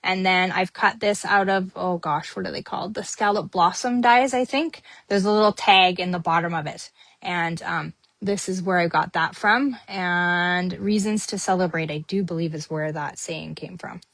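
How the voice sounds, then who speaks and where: A woman's voice: on the low side, normal speed, vocal fry, a bit bright, no echo. Chatty woman crafting host, dry sound. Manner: chatty, many ums, talks while working. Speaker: papercrafting host. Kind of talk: casual crafting tutorial.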